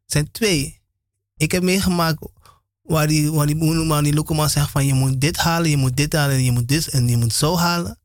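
A man's voice: a little high, steady tone, fairly quick, no room sound, studio quality. Stammering man on Christian radio. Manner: stammering, repeating words.

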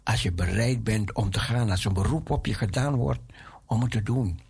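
A man preaching a sermon in a halting way, often repeating his phrases. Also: on the low side, a little mellow, slightly rough.

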